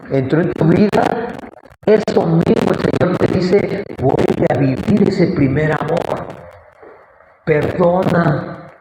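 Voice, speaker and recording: A man preaching a sermon and leading prayer, fervent and unhurried, with long pauses. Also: a little high. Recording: echoey hall with faint noise.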